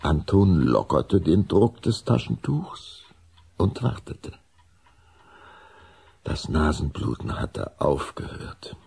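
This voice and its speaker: A man as a measured storybook narrator in a children's audio drama, reading a scripted story. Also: a bass voice, very animated, gravelly, a little mellow, slightly rough, heavily acted. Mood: narrating.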